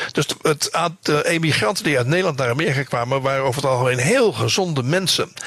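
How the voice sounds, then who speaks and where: Very fast man's speech at a fairly high pitch, with ordinary pitch variation and very even loudness, over noticeable background noise. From Netherlands. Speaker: newsletter writer, local history enthusiast. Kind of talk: interview. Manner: halting, many fillers.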